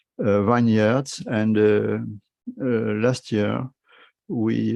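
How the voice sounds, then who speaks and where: A very slow pace in a French accent. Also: man. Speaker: agricultural consultant. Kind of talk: presentation. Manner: halting, many fillers.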